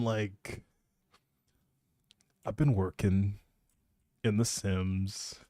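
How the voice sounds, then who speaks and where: A young adult man with a lowish, mellow voice rambles casually on a game livestream, joking playfully and chatting back to viewers. He's a live streamer and audio creator, and the recording is clean studio sound with no room tone.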